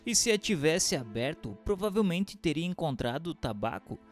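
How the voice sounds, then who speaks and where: A man's voice: a little high, very animated, normal speed. A man gives a scripted, formal and didactic reading of a book of questions and answers. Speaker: narrator. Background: music.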